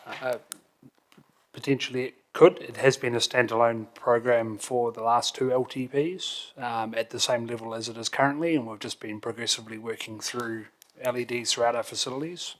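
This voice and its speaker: A man's voice: mid-range voice, fairly even intonation, normal speed, a bit bright. Kiwi man explaining plainly at a meeting. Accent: New Zealand. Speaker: council officer. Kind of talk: answering questions at a meeting.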